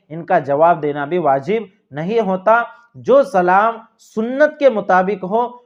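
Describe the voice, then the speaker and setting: A man with a Pakistani Urdu accent giving earnest, repetitive religious instruction and addressing viewers as dear friends. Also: sits high. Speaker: religious teacher. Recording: dull lo-fi sound.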